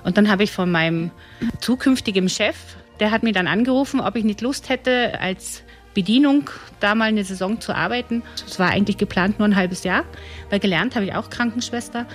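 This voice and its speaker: A middle-aged woman from eastern Germany, an herbalist and park ranger, telling her stories in a lively way. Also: medium pitch, fairly quick, husky, soft background music. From Saxony-Brandenburg border, eastern Germany.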